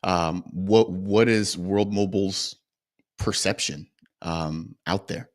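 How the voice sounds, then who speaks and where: A man's voice: sits low, takes it slowly. A man hosting a casual panel podcast, chatting in a friendly way and handing questions to his guests. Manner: friendly, apologetic, hands off questions. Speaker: podcast host.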